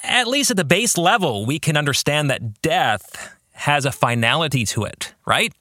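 Guy doing a thoughtful christian podcast, bright forceful voice, close dry sound, deliberate and earnest. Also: on the high side, animated, no echo. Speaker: podcast host and novelist. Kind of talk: reflective Christian podcast monologue.

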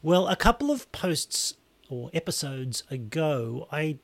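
A man hosting a podcast, talking with a hoarse, raspy voice in a wry, conversational way. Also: a little high, big pitch swings, a little slow. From Australia. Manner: wry, conversational, with throat clearing. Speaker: podcast host. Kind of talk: scripted solo podcast talk.

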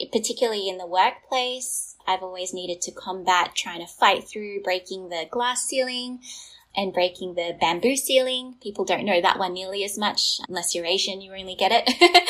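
Woman, Australian accent, lowish voice, thoughtful, candid, podcast guest. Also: fairly bright tone, low-quality recording. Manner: thoughtful, candid, laughs lightly at times. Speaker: guest, startup founder. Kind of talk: podcast interview, reflective storytelling.

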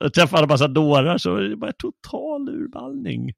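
A man's voice: high-pitched, big pitch swings, creaky, dry recording, clean studio sound. Man recounting a story with many fillers. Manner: amused, hesitant with many fillers. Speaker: podcast co-host. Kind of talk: casual chat about literature.

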